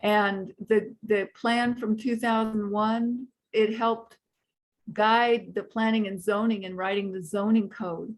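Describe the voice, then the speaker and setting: A woman on a committee speaking at a public meeting over a video call, explaining in halting, deliberate phrases while her audio cuts in and out with uneven volume. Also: medium pitch, steady tone, poor audio. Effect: choppy call audio cutting in and out, uneven volume. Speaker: planning committee member.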